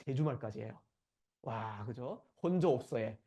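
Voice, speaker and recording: A man's voice: medium pitch, animated, moderate pace, mellow. A man from the Gyeongsang region giving a conference lecture, often asking the audience for agreement as he goes. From Gyeongsang region, South Korea. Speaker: conference speaker.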